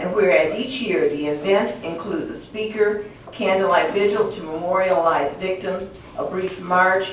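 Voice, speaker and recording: A woman speaks at a moderate pace in a room with audible echo and light background noise. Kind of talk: formal reading of a resolution. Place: meeting room.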